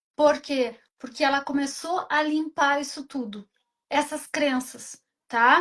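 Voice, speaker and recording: Speaking at a very slow pace, a woman with a southern Brazilian accent keeps a high pitch and ordinary pitch variation. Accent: gaúcho Brazilian Portuguese. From southern Brazil (Rio Grande do Sul). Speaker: emotional coach and meditation leader. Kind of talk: live stream talk. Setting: live stream. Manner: animated.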